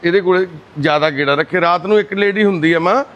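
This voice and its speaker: Visiting an indoor shelter for destitute people, a charity volunteer with a fairly high voice chats casually with each resident, speaking softly, kindly and quickly. He comforts and reassures them, calling the women mother and sister, though the recording sounds muffled.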